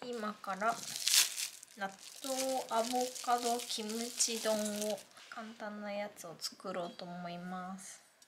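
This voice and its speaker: A woman at a very slow pace with long, frequent pauses, over loud background noise. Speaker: office worker. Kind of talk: casual vlog talk to camera. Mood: relaxed, low-effort day. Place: kitchen.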